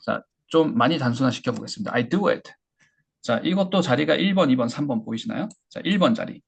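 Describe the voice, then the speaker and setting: A male teacher gives an English rhythm lesson in a gravelly, slightly husky voice at a middle pitch. He walks through each point patiently and slows down to model short phrases for his students to repeat. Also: lively intonation. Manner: explains step by step and models English phrases slowly. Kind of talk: online lecture.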